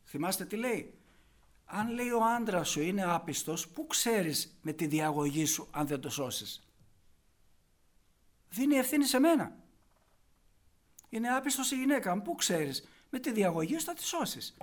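A man preaching a sermon emphatically, asking the congregation rhetorical questions and moving between hushed asides and loud stressed points. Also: high voice, big pitch swings, pauses often.

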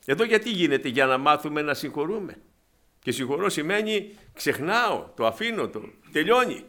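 A man preaching a sermon to his congregation, animated and acting out the voices in his stories. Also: a little high. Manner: animated, acts out quoted voices; addresses congregation as brothers.

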